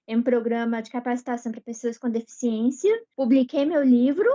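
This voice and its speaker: A woman in her thirties, a podcast guest, speaking in a measured way in casual chat. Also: a little high, steady tone, warm tone. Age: 30s. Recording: dull lo-fi sound.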